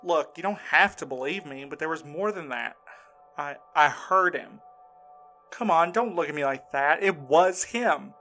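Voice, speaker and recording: A man acting in an audio drama as a shaken, insistent man recounting a frightening ordeal in a halting, earnest way. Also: a little high, pushed and bright, soft background music. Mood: insistent, defensive.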